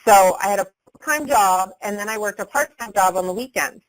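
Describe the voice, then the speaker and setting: A woman in her forties telling her own life story in a quick, chatty way, full of "like" and "right?". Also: mid-range voice, low-quality recording. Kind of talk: personal storytelling.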